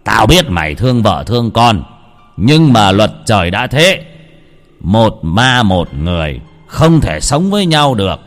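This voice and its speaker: A man voicing a stern older village shaman who speaks slowly and commandingly. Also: fairly low pitch, sing-song. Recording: long hall reverb, faint music.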